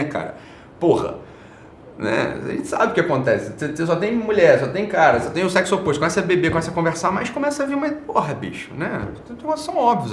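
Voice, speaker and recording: A man's voice: a little high, slight background noise. A man hosting an online show, giving a blunt, casual opinion monologue full of slang, swearing and rhetorical tag questions. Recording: roomy echo.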